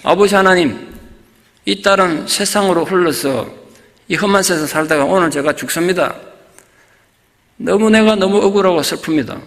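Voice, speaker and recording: A man's voice: sits high, moderate pace, pauses often, fairly bright tone. A man voicing a scarred, tearful adult woman who pleads earnestly as she tells of her hard past, in a sermon. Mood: pleading. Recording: long church reverb.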